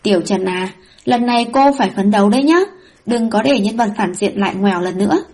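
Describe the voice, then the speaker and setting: A woman's voice: medium pitch, a little fast, a little mellow, breathy edge. A woman voicing a fussy male system spirit that nags the heroine about her mission, in an audiobook reading. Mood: nagging. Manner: nagging, pleading.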